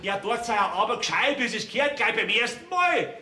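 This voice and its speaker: An actor with a Bavarian accent playing a bossy, self-righteous middle-aged farmer father who shouts orders, on a theater stage. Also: high-pitched, very animated, a little fast, heavily acted. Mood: blustering. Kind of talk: folk theater comedy acting. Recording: echoey stage recording.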